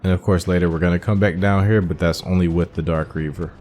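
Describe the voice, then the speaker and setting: Casting: male gaming host, low-pitched, casual and explanatory, thinking aloud, faint music underneath. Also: steady tone, fast talker, darkish tone. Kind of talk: casual gameplay commentary. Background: game audio with faint music.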